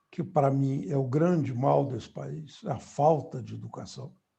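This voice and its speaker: A man speaks very slowly in a fairly high, somewhat breathy voice with a dark, mellow tone. His intonation is lively, and the background is quiet. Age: 70s. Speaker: former chief public prosecutor. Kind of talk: interview. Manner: measured.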